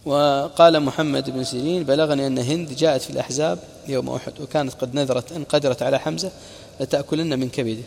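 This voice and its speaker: Man preacher telling old religious stories quick, gravelly voice, long hall echo. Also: mid-range voice, steady tone, darkish tone. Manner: narrates reports and quoted speech with brief asides. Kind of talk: religious history lesson.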